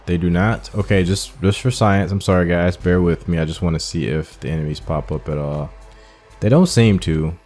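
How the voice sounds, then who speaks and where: A man's voice: deep voice, moderate pace, a little mellow. A man giving casual gameplay commentary as a video host, informally thinking aloud as he plays. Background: game music.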